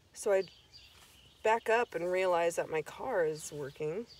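The woman speaks at a fairly slow pace, the sound dry with no echo. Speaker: vlogger. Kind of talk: casual talk to camera. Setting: outdoors. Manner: slow, careful. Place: car. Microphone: phone near.

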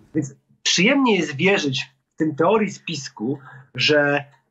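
A man speaks at a very slow pace. His pitch is high, and the background is quiet. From Poland, Wrocław; Poland. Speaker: researcher of political extremism; guest. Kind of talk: interview. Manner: halting, many fillers. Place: home room. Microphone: webcam.

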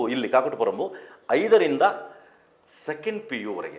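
Pitched fairly high, a man's voice moves through very wide pitch swings. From Karnataka, Mysore district and Kodagu. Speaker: radio announcer and theatre artist. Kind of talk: interview.

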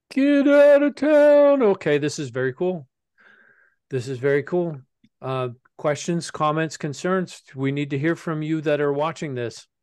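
Against a quiet background, a man with a West Coast American accent speaks at a fairly slow pace in an animated tone, with a fairly high pitch and ordinary pitch variation. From US West Coast. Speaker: webinar host, automotive business trainer. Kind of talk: live webinar panel discussion. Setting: video call webinar. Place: studio. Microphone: studio mic.

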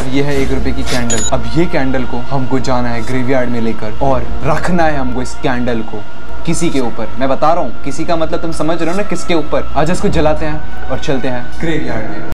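Over clear background music, a man speaks at a very even loudness. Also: moderate pace. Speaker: vlogger. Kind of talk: casual vlog chat. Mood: nervous, playful.

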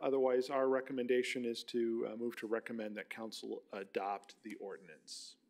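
A man against a quiet background. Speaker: city attorney. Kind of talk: public committee meeting, explaining ordinances. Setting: city hall council chambers. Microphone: podium.

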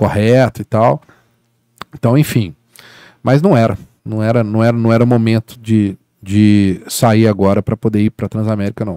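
A man speaks at a fairly low pitch and a moderate pace, with fairly even intonation and a dark, mellow tone. The sound is dry with no echo, over a quiet background. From Belo Horizonte, Minas Gerais, Brazil. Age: 40s. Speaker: sports journalist. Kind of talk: casual chat. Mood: relaxed storytelling. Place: studio. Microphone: studio mic.

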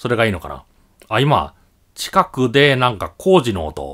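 A man's bright, sharp, medium-pitched voice with very wide pitch swings at a moderate pace, in a very clean recording over a silent background. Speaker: YouTuber reviewing a microphone. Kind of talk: product review tutorial. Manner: varies volume, raised voice to murmuring.

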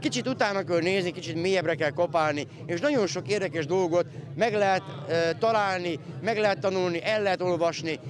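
Over music in the background, a man with a high pitch talks at a moderate pace, the sound dry with no echo. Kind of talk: interview answer. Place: open country. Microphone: handheld.

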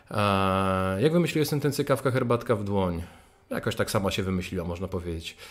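This man's pitch sits fairly low. He speaks at a moderate pace. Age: 30s. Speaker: chess youtuber and English teacher; chess youtuber, English teacher. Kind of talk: casual Q&A chat. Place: home room.

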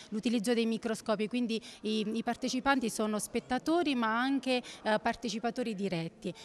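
A woman talks at a fairly quick pace with fairly even intonation and a fairly high pitch. It is an ordinary speaking voice, with light background noise. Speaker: archaeologist. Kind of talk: interview. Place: hall. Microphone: handheld.

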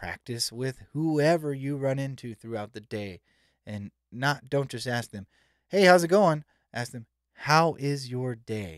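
A man with an American accent, lively intonation and big swings in loudness, in a very clean, dry, close recording with a silent background and no echo. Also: medium pitch for a man, fairly slow pace. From Los Angeles area, US. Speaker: content creator helping homeless people. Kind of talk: solo vlog monologue. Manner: casual, somewhat rambling with restarts.

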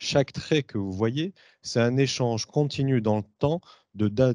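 A man talks at a fairly slow pace with a dark, mellow tone and ordinary pitch variation. The sound is dry with no echo against a quiet background. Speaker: tech company technical director. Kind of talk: conference presentation. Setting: stage with audience. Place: stage.

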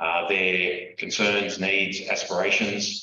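A man with an Australian accent, with audible room echo. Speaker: speaker. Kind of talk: talk to a church meeting. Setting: church hall with audience. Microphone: camera far.

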